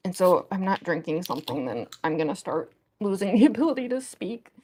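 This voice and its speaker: A young woman with a gruff voice that is going hoarse, chatting casually with viewers on a livestream in a rambling way full of fillers. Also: fairly low pitch, sing-song, a little fast, darkish tone, a little hiss or hum. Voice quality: gruff, smoker-like voice. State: losing her voice. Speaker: livestream artist. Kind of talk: casual chat with stream viewers.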